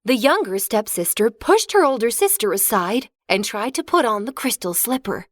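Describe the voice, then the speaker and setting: A woman narrating a children's fairy tale in a clear, expressive storybook reading. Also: a little high, moderate pace, no echo, studio quality.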